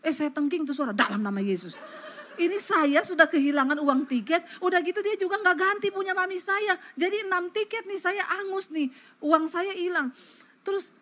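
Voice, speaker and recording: Woman pastor, fairly high voice; animated, colloquial storytelling sermon that addresses the congregation.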